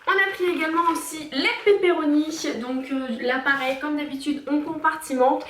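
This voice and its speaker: A woman talking casually through a haul vlog at home, chatty and halting with many fillers. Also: high-pitched, a bit bright, echoey room. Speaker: vlogger. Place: home kitchen and garage.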